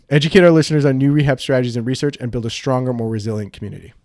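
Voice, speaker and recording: A man of ordinary pitch hosts a laid-back podcast chat, talking with easy banter and lots of ums. His voice sounds close and dry, with little room sound. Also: racing, no room sound. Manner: relaxed, joking banter with many fillers. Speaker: podcast host, physical therapist. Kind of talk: casual podcast interview.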